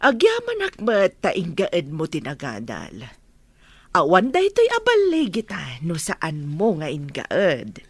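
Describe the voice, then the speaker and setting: A middle-aged woman with an Ilocano accent, playing a proud, gentle mother of a grown son in a radio drama. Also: on the low side, wildly swooping pitch, unhurried, breathy edge, no echo, heavily acted. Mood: tender.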